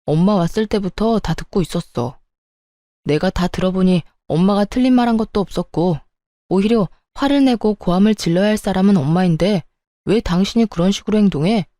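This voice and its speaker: A woman's voice: medium pitch, fairly quick, warm tone, no room sound, studio quality, close to an everyday voice. A woman voicing an angry adult husband who sides with his mother and orders his wife around. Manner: demanding, commanding tone. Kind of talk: storytelling narration.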